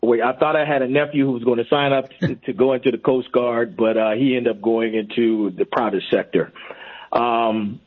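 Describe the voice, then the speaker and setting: Male caller over a tinny phone line, husky tone, earnest and repetitive. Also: medium pitch, fairly even intonation, normal speed. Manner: earnest, repeats himself for emphasis. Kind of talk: call-in radio.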